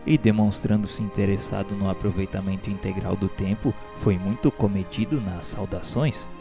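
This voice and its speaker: A man with a Brazilian accent playing an earnest, curious spirit pupil who narrates a radio drama in a measured, formal, solemn way. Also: low-pitched, fairly even intonation, creaky. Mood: earnest, reverent. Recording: music behind the voice.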